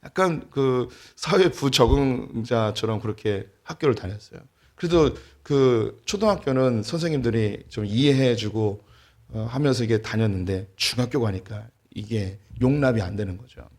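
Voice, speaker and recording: A middle-aged man preaching a sermon as a pastor, telling a family story with light humor and plainspoken warmth before turning to the gospel message. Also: mid-range voice, moderate pace. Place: church sanctuary.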